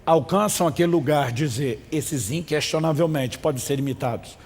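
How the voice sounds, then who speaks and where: A Brazilian man preaches emphatically from the pulpit, urging the congregation to repeat after him. His voice sits a little high for a man. It rings with the long reverb of a large church hall. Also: moderate pace, a little mellow. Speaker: pastor. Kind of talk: sermon.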